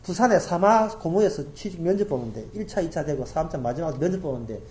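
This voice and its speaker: A middle-aged woman from Daegu preaching a sermon as pastor, repeating key phrases and swinging from loud emphasis to hushed asides. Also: deep voice, animated, brisk, slight background noise. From grew up in Daegu, South Korea.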